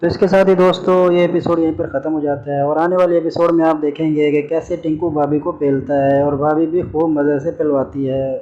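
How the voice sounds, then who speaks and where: A man's voice: on the high side, little pitch movement, brisk, hardly any pauses, dark tone, muffled recording. A man narrating a story recap in a casual, chatty way, talking straight to his viewers as friends. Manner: chatty, addresses listeners as brothers and friends. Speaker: channel narrator.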